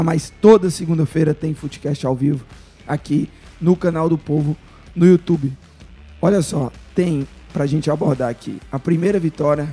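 Male podcast host, Ceará accent, higher-set but mellow voice with a hoarse smoker's rasp, chatting casually about sport over music. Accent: Northeastern Brazilian, Ceará. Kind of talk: casual live sports chat.

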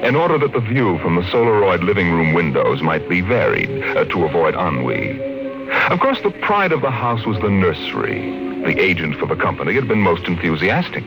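An American man giving measured, dramatic scripted narration as announcer of a 1950s radio drama. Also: low-pitched, very animated, rough recording. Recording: vintage 1950s radio broadcast with music.

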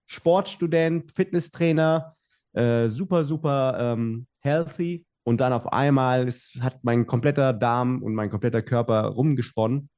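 A man's voice: medium pitch, unhurried, darkish tone. A young adult man, a podcast guest, telling his story in casual talk with many fillers and restarts.

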